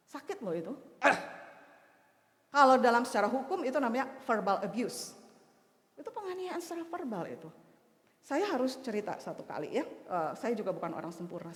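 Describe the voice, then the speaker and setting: A woman in her fifties preaching a sermon, telling stories with sudden loud outbursts. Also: medium pitch. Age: 50s. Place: church hall. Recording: echoey church hall with long reverb.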